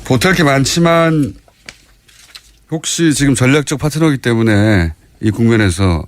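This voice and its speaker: A man hosting a radio current-affairs interview, teasing and prodding his guest with quick short replies, on a studio mic. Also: mid-range voice, a little hiss or hum. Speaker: radio show host.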